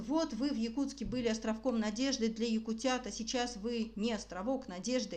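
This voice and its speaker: A woman talks at a moderate pace with a fairly high pitch. Audible room echo is present. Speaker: animal rescue volunteer. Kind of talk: livestream Q&A. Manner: emotional.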